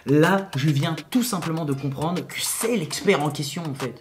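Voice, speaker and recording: A man's voice: on the high side, normal speed, a little hiss or hum. A man giving casual, slangy commentary in an incredulous, emphatic way, often repeating himself. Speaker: YouTuber commenting on his recorded call.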